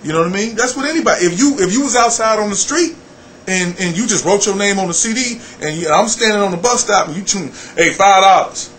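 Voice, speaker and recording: High voiced american guy, middle aged radio type chatting in an interview, blunt, repeats himself, bit of background noise. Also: fast. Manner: animated, blunt, repeats phrases for emphasis. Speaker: radio personality and program director, interview guest. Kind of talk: casual interview talk.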